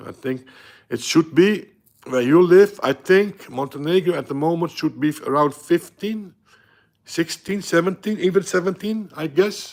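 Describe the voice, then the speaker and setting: Over a silent background on a very clean recording, a man speaks with a Dutch accent. His pace is moderate and his intonation lively. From Netherlands. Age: 60s. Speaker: YouTube host. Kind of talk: live stream chat. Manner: halting.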